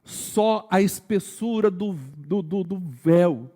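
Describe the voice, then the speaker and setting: A Brazilian man preaching a sermon in a conversational way. He keeps asking his congregation questions, sometimes dropping to a slow hush and sometimes rising with energy. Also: high-pitched. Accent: Brazilian Portuguese. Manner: swings between hushed, slow emphasis and raised, energetic delivery. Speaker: pastor.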